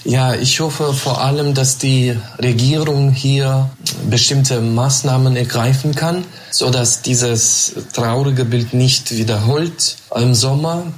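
Man, German, measured and careful, faint background noise. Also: mid-range voice, fairly even intonation. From Yakutia. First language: Yakut. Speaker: interviewee. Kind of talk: remote interview.

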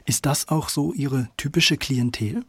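Male radio presenter, articulate and measured, a bit husky. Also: mid-range voice, no echo. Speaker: radio host. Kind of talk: radio magazine interview and narration.

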